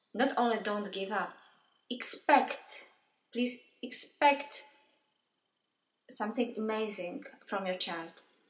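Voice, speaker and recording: With a Polish accent, a woman with a fairly high pitch speaks very slowly and somewhat breathily, with ordinary pitch variation and long, frequent pauses. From Poland. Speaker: musician and parent vlogger. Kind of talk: video monologue. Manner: halting.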